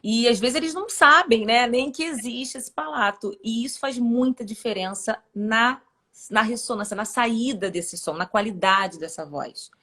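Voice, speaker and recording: A woman's voice: fairly high pitch, sharp tone. Enthusiastic Brazilian woman speech therapist. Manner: enthusiastic, fast storytelling with fillers. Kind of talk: casual chat.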